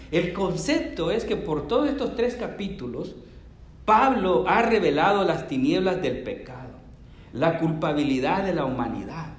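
A pastor delivers a sermon in an animated, emphatic way and keeps turning to his listeners with questions. His voice sits high for a man. The sound carries the roomy echo of a church space.

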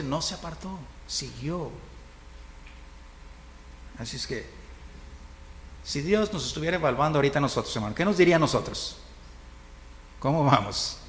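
Male pastor, conversational sermon, echoing hall, faint background hiss. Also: mid-range voice. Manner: conversational preaching, tag questions, chuckles. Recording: reverberant hall, faint noise.

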